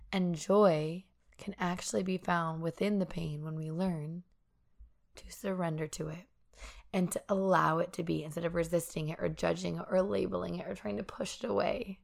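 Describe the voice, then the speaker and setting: A young woman hosting a solo spiritual wellness podcast, her voice hoarse and raspy while she gets over a sinus infection, talking in an earnest, encouraging way. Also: on the low side, a little mellow. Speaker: podcast host.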